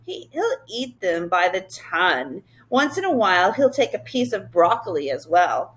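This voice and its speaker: A woman voicing a kindly male palace guide who speaks briskly and confidingly. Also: fairly low pitch, very animated, a bit bright.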